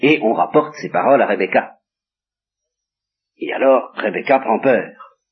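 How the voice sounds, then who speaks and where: A man's voice: on the low side, animated, unhurried, husky. A man reading a Bible story aloud and stopping to explain it to his listeners, on an old 1960s tape. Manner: reads quoted speech with small voice changes, breaks off to explain. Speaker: Bible teacher. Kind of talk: reading and commenting scripture to listeners. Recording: dull lo-fi 1960s tape recording.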